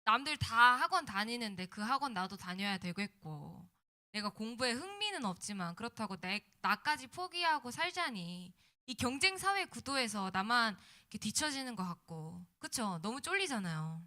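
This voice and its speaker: Female youth preacher, very lively high voice, conversational sermon delivery, diction a bit thick from post-wisdom-tooth swelling. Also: normal speed. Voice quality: slightly slurred diction from swollen mouth after wisdom teeth. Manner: conversational, checking in with young listeners. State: mouth swollen after wisdom tooth removal. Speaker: youth pastor preaching to middle schoolers.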